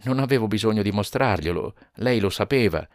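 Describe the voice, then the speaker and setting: A man's voice: on the low side, animated, a little fast, no room sound, clean studio sound, voice pushed up, close to an everyday voice. A man voicing an anxious husband who pleads his case and raises his voice in protest. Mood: weary, earnest. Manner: earnest, raising his voice in protest.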